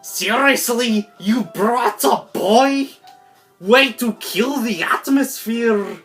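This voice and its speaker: A woman voicing a small, moody high-school girl in a visual novel, brash and snappy, drawing out her words. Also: slow, a bit bright, faint music behind. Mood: annoyed.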